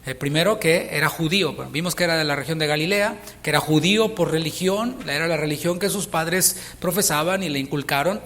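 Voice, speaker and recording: Mexican pastor, conversational sermon delivery, rhetorical questions, echoing sanctuary. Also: male voice, on the high side, fairly quick, few pauses, fairly bright tone, a little hiss or hum. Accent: Mexican Spanish. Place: church sanctuary.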